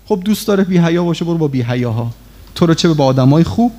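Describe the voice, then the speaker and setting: A man with a slightly high, warm, expressive voice preaches an emotional religious sermon. He speaks fervently and straight to his congregation, pleading with them.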